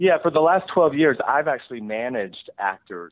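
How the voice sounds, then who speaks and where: This man speaks with lively intonation. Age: 50s. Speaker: actor. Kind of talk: casual chat. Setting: phone call.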